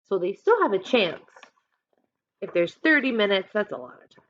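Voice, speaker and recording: A woman's voice: medium pitch, sing-song, normal speed, highs cut off, slight background noise. A woman teacher reading a picture book aloud expressively, adding instructive asides and questions for listeners.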